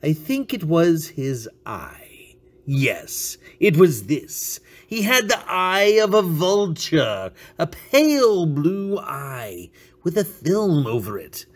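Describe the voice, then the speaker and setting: A man's voice: fairly high pitch, sing-song, takes it slowly, full character voice. A man voicing a sly, unhinged male murderer who narrates his crime with theatrical menace, sudden whispers and outbursts. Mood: menacing. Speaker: reader. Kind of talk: dramatic reading.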